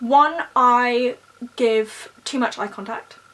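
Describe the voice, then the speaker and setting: A woman speaks loudly at a very slow pace, her pitch high with ordinary variation. Noticeable background noise runs under her voice. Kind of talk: casual Q&A vlog. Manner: hesitant with many fillers.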